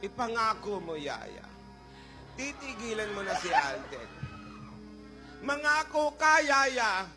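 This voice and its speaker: A high, squeaky old grandmother who scolds, wails and complains with theatrical cries, as a man acts her out. She drags her lines out slowly over music playing behind. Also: very animated, full character voice. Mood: complaining. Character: melodramatic fussy old grandmother, jealous and complaining. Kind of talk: live comedy sketch.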